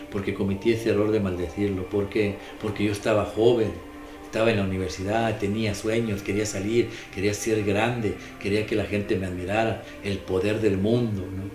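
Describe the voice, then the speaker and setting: A man preaching a sermon, emphatic and repetitive, putting questions to his listeners. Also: lowish voice. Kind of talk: sermon on the daily gospel. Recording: echoey room with music behind.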